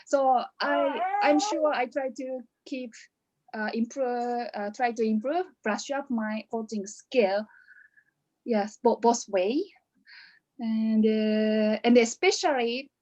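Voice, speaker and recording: A woman's voice: on the high side, a little mellow, highs cut off. A woman from Japan with a Japanese accent, giving a hesitant graduation speech with many restarts over a video call. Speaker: coaching graduate.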